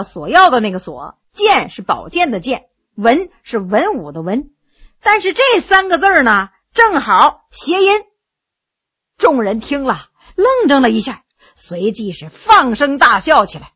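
High, lively woman storyteller. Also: husky. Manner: expressive, animated reading. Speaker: narrator. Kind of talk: storybook narration.

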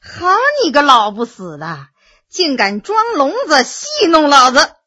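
Loud, brash army officer, bright and bossy, voiced by a woman. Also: high voice, sing-song, normal speed, slightly rough, exaggerated voice. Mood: blustering. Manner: blustering and loud.

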